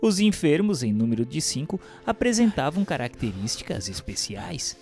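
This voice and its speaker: A man narrating a radio serial in scripted literary first person, with formal, measured delivery. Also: fairly high pitch, very animated, darkish tone. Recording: music bed behind the voice.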